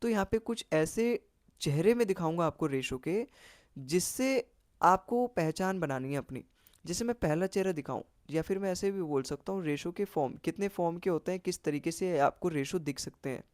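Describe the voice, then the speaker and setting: Brisk, higher-voiced male maths teacher. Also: animated, a little mellow, no room sound, clean studio sound. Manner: explains step by step, often checking in with the listener. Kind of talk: exam-prep maths lesson.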